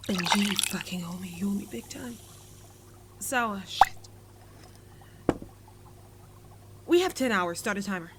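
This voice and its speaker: A woman's voice: medium pitch, moderate pace, heavy background noise, close to an everyday voice. A woman playing a panicked, foul-mouthed, sarcastic spaceship captain in a sci-fi audio drama, muttering and swearing to herself in a naturalistic way. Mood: urgent, tense.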